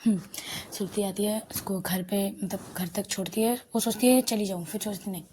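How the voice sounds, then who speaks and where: A woman's voice: medium pitch, steady tone, normal speed, mellow, a little hiss or hum. Chatty woman telling an audio love story. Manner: chatty, informal asides, drops to near-whispers. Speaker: storyteller and channel host. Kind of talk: casual audio story narration.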